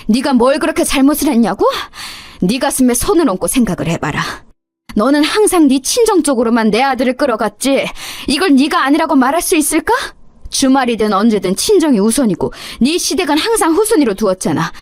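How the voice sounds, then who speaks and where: A woman's voice: high-pitched, sing-song, fairly quick, no echo, studio quality. A woman voicing an older stepmother-in-law who lectures and scolds with indignant outrage, for a radio story drama.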